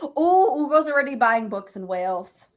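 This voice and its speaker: A young woman hosting a casual reading stream, giggly and animated, reading viewer comments aloud. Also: high-pitched, moderate pace.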